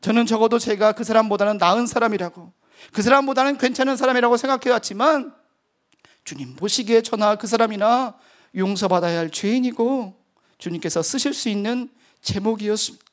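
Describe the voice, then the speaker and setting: High-voiced middle-aged male preacher. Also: brisk. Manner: earnest, vivid storytelling. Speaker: missionary preacher. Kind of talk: sermon testimony.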